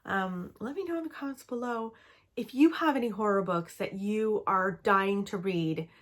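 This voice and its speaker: Woman, young adult, from Canada, casual vlog talk, enthusiastic, filler-heavy, middle pitch. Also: normal speed. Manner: chatty and enthusiastic, frequent "um" and "like". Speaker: book vlogger. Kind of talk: casual book-review vlog.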